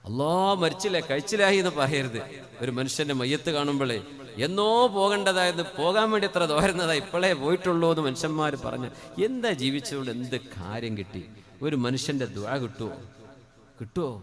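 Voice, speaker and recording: A man delivering a sermon through a microphone, his voice sitting a little high. He moves between quiet conversational asides and loud, drawn-out chanted passages. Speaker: Islamic preacher.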